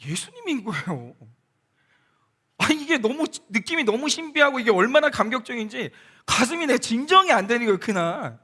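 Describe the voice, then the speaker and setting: A male pastor delivering a Sunday sermon into a church microphone. His voice sits high with a bright, forceful edge and lively pitch swings. He tells stories, dropping softly into other people's words before rising again in emotion. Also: normal speed, husky. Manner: storytelling, quoting people in softer voices, bursts of emotion. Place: church sanctuary.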